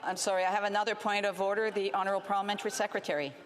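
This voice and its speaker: Halting woman presiding in a parliament chamber. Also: medium pitch, flat delivery, crowd noise. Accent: Canadian. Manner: formal, halting, hesitant delivery. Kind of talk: procedural rulings in parliament. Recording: reverberant chamber hall.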